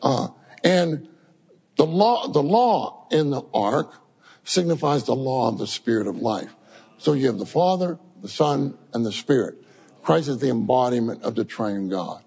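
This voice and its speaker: A man preaching a sermon to his congregation, telling scripture stories in an animated way. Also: mid-range voice, measured pace, creaky, husky, long reverb tail. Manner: animated storytelling, addresses congregation as saints.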